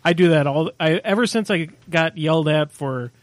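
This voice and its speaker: A man's voice: on the high side, normal speed, dry recording. A man chiming in on a tabletop game commentary with blunt, needling questions. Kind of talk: casual banter.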